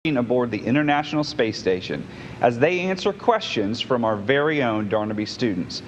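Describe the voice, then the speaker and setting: A man's voice: big pitch swings, normal speed, soft background music. A man presenting an event, delivering a prepared, formal introduction. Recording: long hall reverb, faint rumble.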